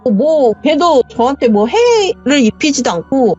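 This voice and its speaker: Woman telling her own ghost story, high lively voice, acts out the dialogue, muffled audio. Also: unhurried. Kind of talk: storytelling interview. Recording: dull audio, faint music behind.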